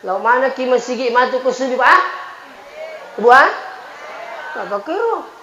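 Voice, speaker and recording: Speaking in a very high, bright and forceful voice, this Bugis-accented preacher in his forties is animated yet unhurried. He delivers a funny, folksy Muslim sermon that mixes two languages, repeating phrases and joking with the audience. An echoey, dull PA picks up crowd murmur and light noise.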